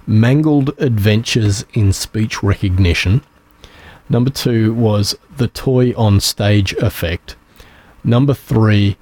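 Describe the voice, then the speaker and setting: An Australian man talks casually as a podcast host, wandering through his thoughts with plenty of fillers and restarts. His voice sits on the low side, and the recording is dry and close, with no room sound. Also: no echo. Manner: relaxed and rambling, with frequent fillers and restarts. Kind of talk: casual solo podcast talk.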